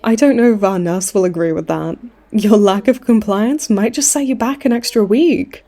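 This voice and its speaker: Smug, mellow-voiced flirty villainess played by a woman. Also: medium pitch, normal speed, close to an everyday voice. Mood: smug, mocking. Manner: teasing, mock-sweet, theatrical taunting. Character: smug flirtatious female supervillain in her late twenties, hospitalized. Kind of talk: comedic audio roleplay acting.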